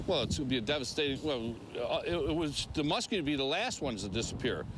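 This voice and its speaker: An American man, a fishing captain, giving a halting, repetitive informal interview outdoors amid loud wind and engine noise. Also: medium pitch, expressive. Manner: halting, repeats himself.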